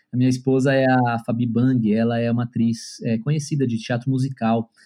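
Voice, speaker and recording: A man's dark, mellow voice moves at a moderate pace over a quiet background. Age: 40s. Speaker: musician and music producer. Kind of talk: casual interview.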